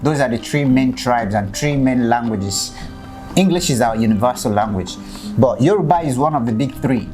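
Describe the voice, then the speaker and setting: A man's voice: medium pitch, expressive, normal speed, over music. A man from Nigeria with a Nigerian accent, interviewing a guest in casual chat and pressing eagerly with repeated questions.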